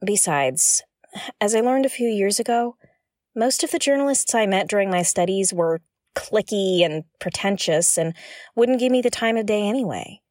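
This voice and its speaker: An actress playing a feisty, irreverent woman who broadcasts from her own ship, expressive and candid in an audio drama. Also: medium pitch, moderate pace, no echo, studio quality, lightly acted. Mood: sheepish, defensive. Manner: expressive, candid, prone to gleeful giggling. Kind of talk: audio drama acting, conversational.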